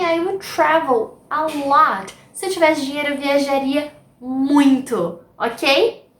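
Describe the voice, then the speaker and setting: A woman's voice: high-pitched, roomy sound. A Brazilian woman teaching an English grammar lesson, explaining patiently step by step. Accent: Brazilian Portuguese.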